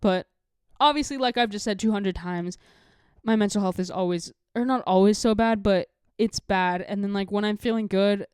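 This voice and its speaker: Candid young woman podcaster, smooth clear voice. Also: mid-range voice, normal speed, a little mellow, no room sound, studio quality. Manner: rambling, heavy use of "like", candid. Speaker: podcast host. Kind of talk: casual confessional solo talk to viewers.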